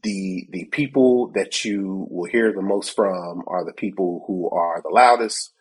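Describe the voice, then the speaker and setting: This podcast co-host speaks low and unhurried, with a breathy edge to his voice. He's co-hosting a tech podcast in casual chat, sounds slightly congested from a cold, laughs a lot, and plays both parts when recounting conversations.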